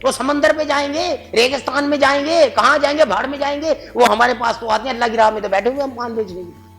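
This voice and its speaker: A man playing a gravelly, high-voiced old paan-seller. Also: a bit bright, heavily acted. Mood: boasting. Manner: rambling, comically evasive, interjects "miyan". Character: boastful old male paan-shop owner of Lucknow stock. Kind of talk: comedy talk show character. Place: TV studio.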